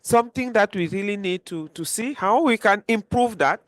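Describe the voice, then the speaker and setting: A woman speaking as a panelist and network coordinator, earnest and halting, often restarting her sentences. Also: medium pitch, expressive, no room sound. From Cameroon. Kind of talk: panel discussion remarks.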